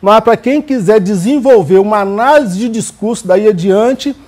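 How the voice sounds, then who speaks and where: A man's voice: high-pitched, normal speed, darkish tone. A man with a Brazilian accent presents academic research as a student, in a didactic, emphatic way, repeating key points.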